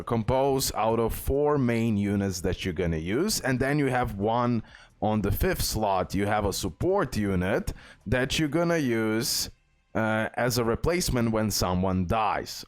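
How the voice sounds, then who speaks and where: A man giving a casual, off-the-cuff game tutorial as host, explaining step by step and often checking in with the listener. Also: lowish voice. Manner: explanatory, repeatedly checking in with "okay?". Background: music.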